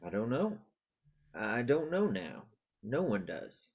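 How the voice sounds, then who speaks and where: A man's voice: medium pitch, very animated, slow pace, vocal fry, darkish tone, highs cut off, heavily acted. A man reading a concerned male advisor in a screenplay table read. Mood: grave, concerned.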